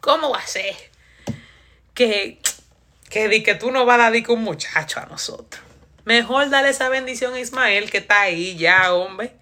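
A man's voice: very high voice, moderate pace, pushed and bright, a little hiss or hum, full character voice. A woman playing an incredulous very old man with a Dominican accent, in a playful retelling. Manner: disbelieving, exasperated, folksy. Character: incredulous very old man, laughing at his fate.

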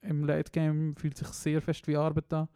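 A young man with a Swiss German accent, co-hosting a podcast in rapid, chatty casual talk and laughing easily. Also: fairly high pitch, completely flat delivery, dark tone, clear, resonant tone, no room sound, studio quality. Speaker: podcast co-host. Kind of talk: casual chat.

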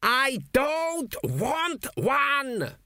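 A shrill, fretful ghost of an old king, as a man puts him on, his thin voice climbing high and tight. He pleads, then drops to a hoarse whisper. The recording is dry and close. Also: very animated, a little slow, pushed and bright, no room sound, full character voice. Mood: frantic. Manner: pleading, breaking into whispers and screams. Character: old frail ghost king, fussy and anxious.

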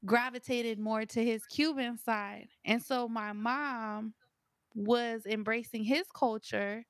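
A woman's voice: fairly high pitch, fairly even intonation, slow, dry recording, clean studio sound. A young woman talking through her views in a casual podcast discussion, rambling and thinking aloud with plenty of fillers. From United States.

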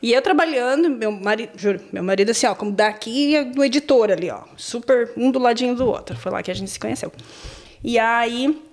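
Animated Brazilian woman, high voice. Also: fairly quick. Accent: Brazilian Portuguese. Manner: animated storyteller, exclamatory. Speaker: exchange agent, podcast guest. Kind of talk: casual podcast interview.

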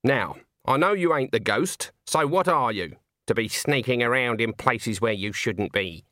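A man's voice: medium pitch, lively intonation, measured pace, a bit bright, no echo, studio quality. A man reading a storybook, voicing a blunt, unflappable old country witch with folksy, snappy, self-assured speech. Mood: calm, pointed.

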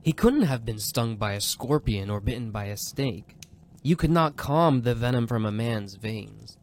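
A man's voice: mid-range voice, animated, measured pace, a little hiss or hum. A man narrating a scripted story with intense, suspenseful delivery. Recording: background music under the voice.

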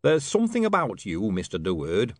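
A man voicing a gruff, shrewd older self-made businessman with blunt working-class speech, in an audiobook story. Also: fairly low pitch, wildly swooping pitch, brisk, no echo, clean studio sound.

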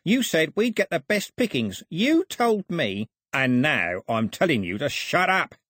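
Man doing a high, whining, weaselly thief. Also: big pitch swings, unhurried, a bit bright, no room sound, studio quality, exaggerated voice. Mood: angry complaint. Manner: whining, jittery, complaining.

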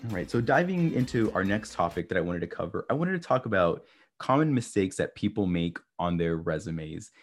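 A man with a deep voice hosting a career podcast. He talks in a loose, relaxed way, uses a lot of fillers, and often checks for agreement. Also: brisk, soft background music. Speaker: podcast host. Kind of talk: conversational interview hosting.

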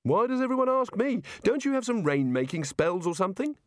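A man's voice: sits high, very animated, fairly quick, no room sound, voice pushed up. A man voicing a hapless, nervous wizard in an audiobook, hesitant and defensive in manner. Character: hapless, nervous male wizard, evasive and apologetic.

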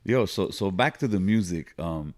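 Deep-voiced Québécois man hosting. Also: measured pace. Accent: Québécois French. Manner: relaxed, slangy, mixes English into French. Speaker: interview host. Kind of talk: casual interview.

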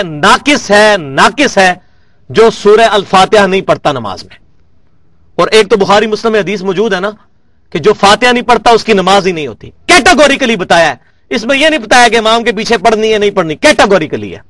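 High-voiced emphatic male religious lecturer. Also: a bit bright, dry recording. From Pakistan. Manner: emphatic, repeats key words for stress. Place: lecture hall at a research academy.

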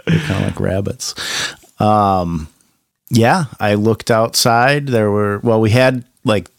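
A lowish male voice, dry and close with no room sound, from a podcast co-host who is a little under the weather. He tells his stories plainly and matter-of-factly. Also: slow, vocal fry, dry recording. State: a little sick.

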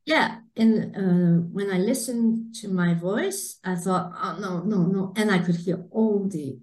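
A woman's voice: medium pitch, unhurried, a little mellow, poor audio. Woman with a light soprano voice. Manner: earnest, repeats words for emphasis. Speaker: guest, pronunciation teacher. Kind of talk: conversational podcast interview.

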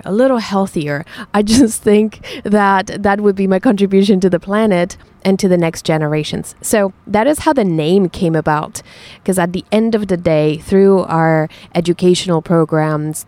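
A woman's voice: on the low side, darkish tone, dry recording. A woman with a slight foreign accent, earnest and upbeat, answering as a guest in a casual interview. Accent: slight foreign accent from several languages. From Switzerland and Colombia. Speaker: guest, entrepreneur.

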